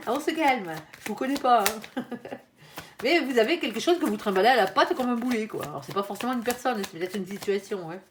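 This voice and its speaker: A chatty woman lays out tarot cards for her audience, sprinkling her talk with quick asides and playful warnings. Her voice sits fairly high for a woman. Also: a little hiss or hum. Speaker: tarot reader. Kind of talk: casual tarot reading.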